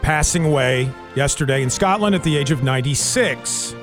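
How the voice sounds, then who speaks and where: A man's voice: a little high, moderate pace, over music. A man who reads the news and banters on a morning radio show, chatty and full of questions. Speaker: radio news reader and co-host.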